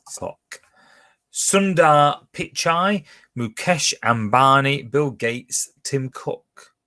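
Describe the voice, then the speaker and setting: A man's voice: medium pitch, expressive, drawn-out words, sharp tone. A man hosting a pub quiz from home, chatting casually as he reads out questions, answer options and team scores. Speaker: quiz host.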